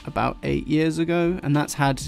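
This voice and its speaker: A man with an English accent softened by London, chatting casually and rambling while he draws, swearing now and then and dropping his t's. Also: on the high side, steady tone, normal speed, vocal fry, faint music behind. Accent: English, London-influenced. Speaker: YouTuber drawing on stream. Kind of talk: casual chat while drawing.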